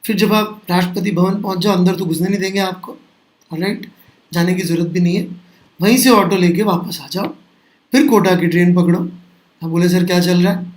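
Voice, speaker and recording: A man's voice: high voice, brisk. A man teaching physics, mixing Hindi with Indian-accented English, asking and answering his own questions. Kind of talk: classroom lecture. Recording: echoey classroom.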